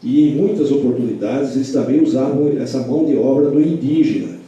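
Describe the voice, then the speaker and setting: A man from the interior of São Paulo with a Brazilian Portuguese accent explains local history in a slow, lecturing way. His voice is dark and mellow. He sits away from the mic in a very echoey room. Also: medium pitch, lively intonation, far from the mic, muffled recording. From Porto Feliz, São Paulo state, Brazil. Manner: measured, lecturing with many fillers and restarts.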